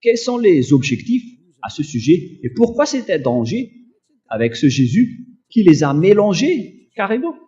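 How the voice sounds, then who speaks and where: A male preacher delivers a slow, emphatic sermon, his pitch swinging widely, with a dark, mellow tone. He hesitates often and has a slight cough. The recording is dull and lo-fi. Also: big pitch swings. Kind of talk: sermon teaching.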